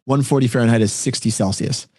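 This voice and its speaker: A man's voice: medium pitch, fairly even intonation, fast, darkish tone, dry recording, clean studio sound. A man co-hosting a podcast, chatting casually and rambling along with plenty of filler slang. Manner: chatty, rambling, peppers talk with "like" and "dude". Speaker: podcast co-host. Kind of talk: casual chat among friends.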